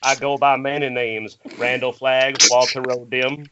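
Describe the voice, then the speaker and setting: A man playing an otherworldly, menacing man in black, speaking in an ominous, deliberate, imperious way. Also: medium pitch, little pitch movement, lightly acted. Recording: muffled internet call, faint noise.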